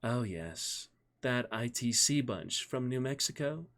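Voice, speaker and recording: Man voicing an elegant British young woman, lifted pitch. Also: expressive, slow, a bit bright. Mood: playful, teasing.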